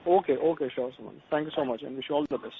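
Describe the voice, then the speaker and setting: A man's voice: medium pitch, rapid-fire, creaky. A man asking questions as an analyst on a conference call, speaking by phone. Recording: narrow phone line with noise.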